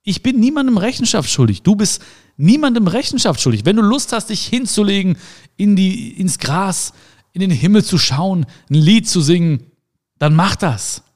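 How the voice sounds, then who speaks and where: A man's voice: sits high, lively intonation, normal speed. A man giving a motivational talk in an emphatic way, repeating his key phrases. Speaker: motivational speaker.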